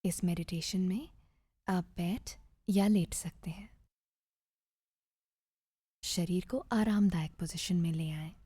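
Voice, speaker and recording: A woman narrating a guided meditation in a soft, breathy, soothing voice, measured and with gentle pauses. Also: on the low side, steady tone, no echo.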